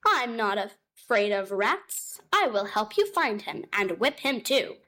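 A woman's voice: mid-range voice, sing-song, sharp tone, full character voice. A woman doing a stern, no-nonsense neighbor cat. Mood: firm. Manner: firm, measured, unflustered.

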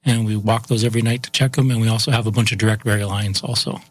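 A man who runs a town's water and sewer crews, talking through how the system works in a relaxed interview. He speaks plainly, often trailing off with "so" and "yep". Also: lowish voice, very fast, slightly rough, no echo. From Massachusetts, US. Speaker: utilities chief of operations. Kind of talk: casual interview.

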